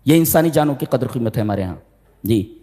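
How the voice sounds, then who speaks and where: Animated preacher man in echoing hall. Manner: emphatic, with rhetorical questions to listeners; swings from loud stresses to low asides. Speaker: Quran commentator and preacher. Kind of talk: sermon-style Quran commentary. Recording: long hall reverb.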